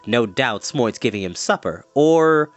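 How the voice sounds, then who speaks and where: Earnest young king, read by a storyteller, storybook, reassuring, eager, medium pitch, music behind. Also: animated, measured pace, close to an everyday voice.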